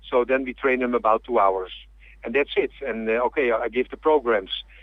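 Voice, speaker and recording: Pitched at a medium level for a man, his voice shows ordinary variation in pitch. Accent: Dutch. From Netherlands. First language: Dutch. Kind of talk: radio interview. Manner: halting.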